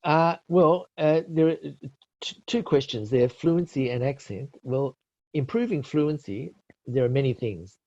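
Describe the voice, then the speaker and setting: A man's voice: mid-range voice, unhurried, darkish tone, no room sound. A middle-aged Australian man giving IELTS tips in a webinar, explaining patiently and correcting himself with many fillers. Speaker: IELTS expert presenter. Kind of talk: webinar teaching with answers to questions. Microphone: webinar call mic. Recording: dull lo-fi webinar audio.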